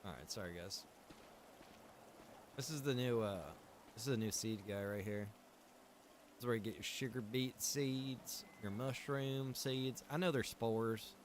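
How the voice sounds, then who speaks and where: A man with a mid-range voice gives loose, rambling commentary while he plays a survival game on stream. He thinks out loud and drops in small chuckles now and then. A faint hiss sits low behind his voice. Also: unhurried, long pauses. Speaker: streamer and game server developer. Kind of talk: live-stream gameplay commentary.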